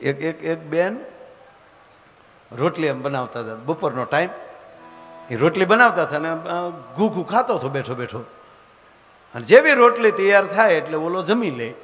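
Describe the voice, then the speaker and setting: Man, folk comedian, high voice, hall reverb, faint noise. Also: animated, moderate pace, long pauses, a bit bright, faint music behind. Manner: chatty, teasing, acts out scenes. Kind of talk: live comic storytelling. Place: stage before a live audience.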